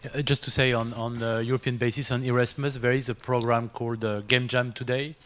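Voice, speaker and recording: A man's voice: medium pitch, flat delivery, brisk, a bit bright, a little hiss or hum. A man in a conference audience adding information, with short fillers between phrases. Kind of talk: conference Q&A comment.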